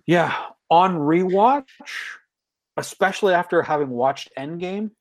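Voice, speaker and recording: A man's voice: sits high, a little slow. A man in his forties, a guest on a podcast, chatting casually and enthusiastically with frequent restarts. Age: 40s. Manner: enthusiastic, rambling, many restarts.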